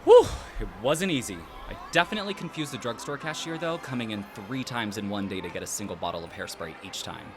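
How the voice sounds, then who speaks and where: A man's voice: on the low side, expressive, quick pace, hardly any pauses, lightly acted. An actor playing an easygoing, friendly but hesitant young man in a naturally acted audio drama. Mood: cheerful, easygoing. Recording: clear outdoor ambience noise behind voice.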